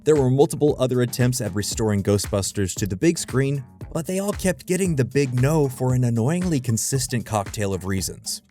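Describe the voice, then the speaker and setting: Male essayist with a mellow voice and expressive swings in pitch; dry wit, conversational scripted read, faint music bed. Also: fairly quick, hardly any pauses. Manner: wry, conversational, dryly humorous asides. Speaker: video essay narrator. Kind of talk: scripted video essay narration. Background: background music.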